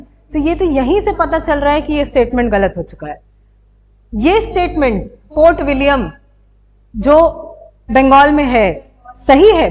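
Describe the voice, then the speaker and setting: A woman's voice: high-pitched, a little mellow. A young woman teacher giving an exam-prep lecture, explaining and asking her students rhetorical questions.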